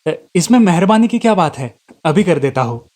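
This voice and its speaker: A man voicing a lazy, carefree young village lad in a cartoon, talking in a lively, cheeky way. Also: high-pitched, brisk.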